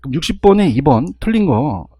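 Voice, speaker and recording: A man with a husky voice giving an exam-review lecture, constantly firing rhetorical questions and checking in with his students. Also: a little high, big pitch swings, a little fast, mellow, no room sound, clean studio sound.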